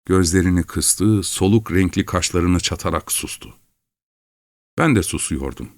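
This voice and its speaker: A man with a low voice reads a story aloud at a calm, measured pace. The sound is dry and close, with no room around it. His narration stays even and unhurried. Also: no room sound. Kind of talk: audiobook narration.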